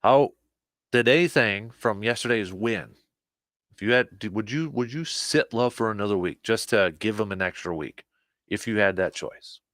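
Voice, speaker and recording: A man hosting a casual sports talk show, a little hoarse, animated, often repeating and restarting his words. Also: lowish voice, normal speed, dry recording, clean studio sound. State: slightly hoarse, losing his voice.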